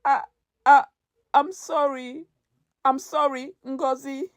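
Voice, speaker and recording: A woman's voice: sits high, steady tone, takes it slowly, dry recording, pitched above the performer's own voice. A bitter and envious young woman from a dramatic moral tale, acted out by a female storyteller. She sounds resentful of her closest friend, and the recording is dry. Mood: weak, remorseful. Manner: hesitant, stammering when confronted.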